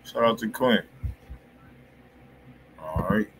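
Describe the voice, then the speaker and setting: A man's voice: lowish voice, takes it slowly, vocal fry, a bit bright. An American man hosting a music review stream with casual, slangy chat. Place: indoor room, live stream. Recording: noisy live-stream room audio.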